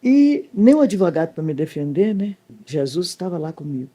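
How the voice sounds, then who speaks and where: Middle-aged woman, emotional church testimony guest, lively and expressive. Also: normal speed, slightly rough. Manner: animated, swings widely in pitch, leans on "né" tag questions. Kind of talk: emotional faith testimony storytelling.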